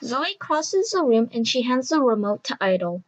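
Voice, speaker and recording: A woman's voice: fairly high pitch, big pitch swings, normal speed, lo-fi sound. A woman reading scripted story narration for an audio drama.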